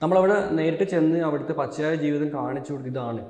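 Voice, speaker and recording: A man's fairly high voice, with ordinary pitch variation, carries audible room echo. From Kerala. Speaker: travel vlogger. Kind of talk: interview. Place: home room.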